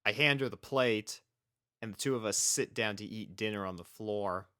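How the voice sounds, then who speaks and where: A man narrates a first-person story from a script. His voice is on the low side and bright, delivered slowly in a dry, close sound. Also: clean tone, no room sound. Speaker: fan fiction reader and narrator.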